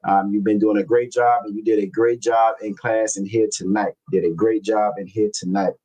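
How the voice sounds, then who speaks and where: A man teaching a religious language class over a video call, reading scripture slowly and often repeating himself. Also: on the low side, level tone, warm tone, slightly rough, poor audio. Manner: repeats phrases, constant "you know what I'm saying"; slow, deliberate scripture reading.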